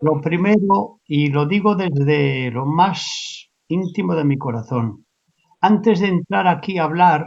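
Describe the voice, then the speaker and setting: This man has a high pitch and lively intonation. His pace is very slow. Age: 60s. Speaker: church elder. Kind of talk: religious interview.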